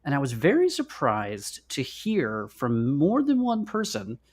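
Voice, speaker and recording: Guy cohosting a podcast, really lively up and down pitch, keeps backtracking mid sentence. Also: slightly rough. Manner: halting, self-correcting, hedging. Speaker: podcast co-host. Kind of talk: casual chat.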